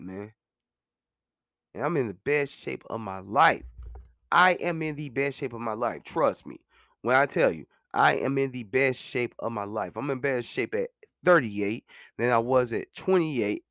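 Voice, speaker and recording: Here the same thirty-something podcast host sounds animated, with a medium-pitched, somewhat bright voice at a moderate pace. The studio audio is clean, with no room sound. In a casual monologue, he earnestly shares his experience, repeating phrases to stress them and sprinkling in "man" and "you know what I'm saying."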